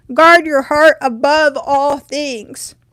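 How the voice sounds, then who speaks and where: A woman speaks in a high pitch with a bright, sharp tone. The recording is very clean with a silent background. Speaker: spiritual content creator. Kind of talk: casual livestream talk. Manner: loud; casual, filler-heavy.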